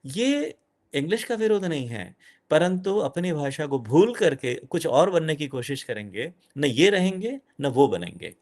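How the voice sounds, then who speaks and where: A middle-aged man giving an animated lecture to an audience as a guest speaker, dropping in English phrases. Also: fairly high pitch, measured pace.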